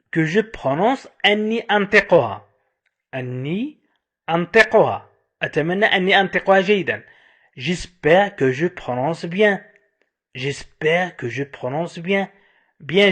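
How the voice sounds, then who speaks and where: A man teaching a language lesson, saying each phrase slowly over and over, then quickly glossing its meaning. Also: on the high side, a bit bright. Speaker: French teacher. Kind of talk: slow repetition drill with translations.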